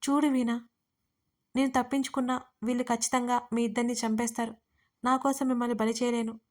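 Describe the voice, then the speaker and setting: A woman voicing a distressed young wife who speaks softly and anxiously in an audio story. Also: a little high, level tone, fairly quick, lightly acted. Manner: soft, anxious.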